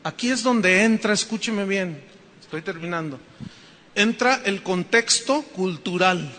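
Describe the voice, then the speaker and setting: Joking Mexican pastor, bright voice. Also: male voice, high-pitched, unhurried, in a large hall. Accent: Mexican Spanish. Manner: animated, joking, emphatic preaching. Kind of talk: sermon.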